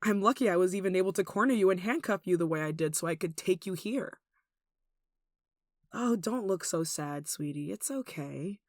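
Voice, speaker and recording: A woman's voice: lowish voice, no echo, studio quality. A woman playing a tall, possessive, lovesick kidnapper in an intimate ASMR roleplay, cooing and coaxing with sweet menace, sighs and giggles. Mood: gleeful, possessive.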